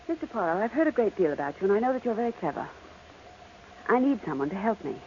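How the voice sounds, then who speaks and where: A woman's voice: medium pitch, sing-song, fast, dark tone, natural voice. An actress playing a rich, imperious, anxious young married woman in old-time radio melodrama, with an emphatic, theatrical delivery. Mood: tense, composed. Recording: muffled, noisy old radio recording.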